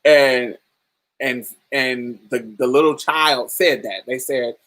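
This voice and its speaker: A woman with a deep voice hosting a casual podcast chat, telling stories with frequent laughter and calling the listener honey and baby. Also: takes it slowly. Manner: animated storyteller, laughs often, calls listeners honey and baby. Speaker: podcast host.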